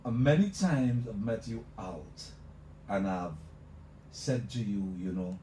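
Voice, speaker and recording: A man's voice: fairly low pitch, expressive, slow pace, mellow. A male radio host talking effusively on a live show, repeating "let me tell you" as he builds up his guest. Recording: echoey room, mic at a distance, noisy.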